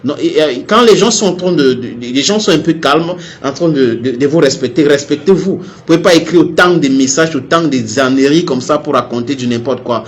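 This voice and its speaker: Brief: man from Cameroon, fiery online commentator, somewhat high voice, heated, repeats and stammers. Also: brisk, hardly any pauses. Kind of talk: impassioned direct-to-camera rant.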